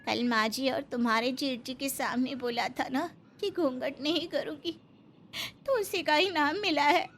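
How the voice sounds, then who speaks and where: A timid young daughter-in-law in a cartoon, with a high, bright voice and a resigned manner. A faint hiss runs under it. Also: female voice, a little slow.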